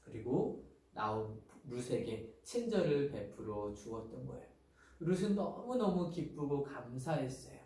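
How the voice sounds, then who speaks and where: A man, a pastor, giving an animated children's sermon and acting out the voices in his stories. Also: mid-range voice, unhurried. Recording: echoey room, voice from a distance.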